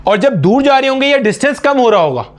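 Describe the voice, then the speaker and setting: A man's voice: very high-pitched, very animated, fast. A man teaching a physics lecture at a board for exam preparation. He explains step by step, asks his students questions, answers them himself, and calls them "beta" in a familiar way.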